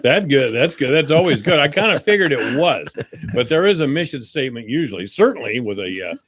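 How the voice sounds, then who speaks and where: A man's voice: medium pitch, very animated, a little fast, a bit bright, breathy edge. A middle-aged man hosts a local radio talk show in the studio, with a mid-range voice. He asks his questions in a chatty, folksy way, joking easily with his guests. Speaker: radio host. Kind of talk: casual radio interview. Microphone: studio microphone.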